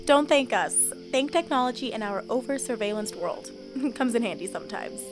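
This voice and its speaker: A woman's voice: a little high, expressive, normal speed, music in the background, close to an everyday voice. A woman playing a caring young female friend with dry wit in an audio drama. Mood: dry, playful.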